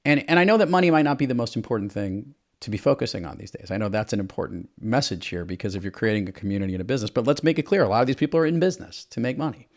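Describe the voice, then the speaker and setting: A man's voice: medium pitch, expressive, rapid-fire, few pauses. Upbeat, emphatic male podcast host. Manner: upbeat, emphatic, playful asides. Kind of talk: energetic podcast interview.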